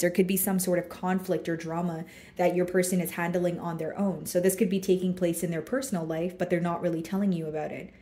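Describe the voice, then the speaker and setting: A woman giving a casual tarot reading, chatty and relaxed, talking through the cards as she draws them. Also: fairly low pitch, echoey room. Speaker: tarot reader.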